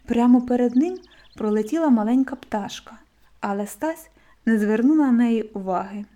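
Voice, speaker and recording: Warm-voiced woman reading a children's story. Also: fairly high pitch, normal speed, muffled recording.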